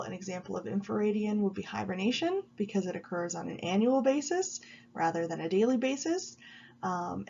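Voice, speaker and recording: A woman giving a recorded video lecture while she has a cold, explaining at an even pace with frequent ums. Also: medium pitch, vocal fry, lo-fi sound, a little hiss or hum. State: stuffy with a cold. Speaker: college psychology instructor.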